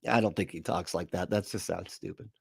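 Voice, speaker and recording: A man's voice: low voice, a little fast, creaky, slightly rough, dry recording. A man giving casual, sarcastic commentary on a clip, laughing often. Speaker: host.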